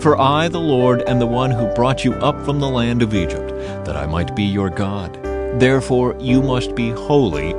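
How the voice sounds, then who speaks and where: Man, mid-pitched voice, solemn scripture narration, measured and deliberate delivery, prominent music behind.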